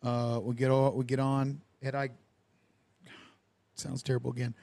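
Young man hosting a podcast, lively anecdote teller who plays out the dialogue, mid-pitched, dry close sound. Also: normal speed, creaky, no room sound. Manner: animated storyteller who acts out quoted dialogue with lively voices. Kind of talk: casual storytelling chat.

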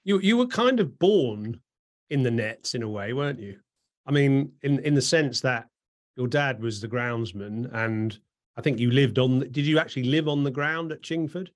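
A man's voice: medium pitch, expressive, normal speed. A man with an English accent hosting a conversational interview, asking chatty, rambling questions. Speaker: interviewer and host.

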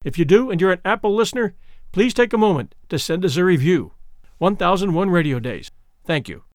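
A man's voice: high-pitched, lively intonation, fairly quick, no room sound, studio quality. A man hosting a podcast, giving a scripted introduction. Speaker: podcast host.

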